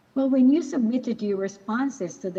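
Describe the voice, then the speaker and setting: Somewhat breathy and dark, mellow in tone, a woman's voice carries lively intonation. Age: 60s. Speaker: resource speaker on emotional intelligence. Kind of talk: seminar talk. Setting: hall with live and online audience.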